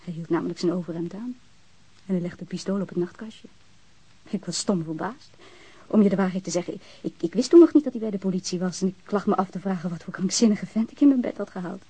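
A young woman acting in a crime audio drama as a bereaved woman, frank, guarded and self-possessed, speaking in measured phrases. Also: on the low side, dark tone, husky, poor audio. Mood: reflective, frank. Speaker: actress in a radio drama.

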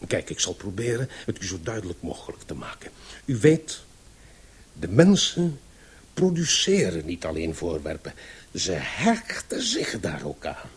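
A pedantic scientist in a Dutch radio play. His voice is low and badly husked, yet it swings widely in melody. He lectures didactically, with great emphasis. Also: huge pitch swings, measured pace, breathy edge, exaggerated voice. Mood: earnest lecturing. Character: pedantic male scientist expounding absurd theories.

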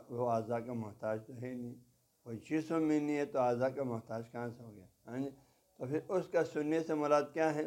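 A man's voice: medium pitch, a little mellow. A man giving a religious lecture who explains word meanings step by step, repeats each gloss and often adds a short "haan ji". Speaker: religious teacher. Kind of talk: lecture explaining a devotional text.

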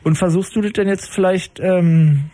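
Male radio host, call-in show, dry ironic teasing, mellow darker tone, slightly higher voice. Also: steady tone, normal speed, a little hiss or hum. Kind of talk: late-night call-in radio chat. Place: radio studio.

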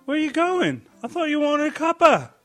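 A man voicing a gentle, earnest man who insists his pet gargoyle is real, in a slow, high, wide-eyed way. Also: very animated, soft background music, heavily acted. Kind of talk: audiobook character voice.

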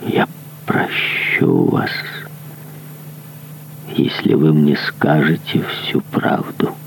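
A man voicing a stern, vengeful monk who presses a dying man with hushed, menacing demands. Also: deep voice, takes it slowly, vocal fry, slight background noise, full character voice, low-quality recording. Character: stern, vengeful male monk, cold and relentless.

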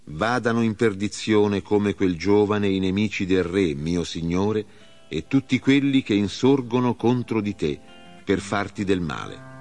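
A man voicing a respectful, formal foreign male messenger in a measured reading. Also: on the low side, animated, darkish tone, faint music behind.

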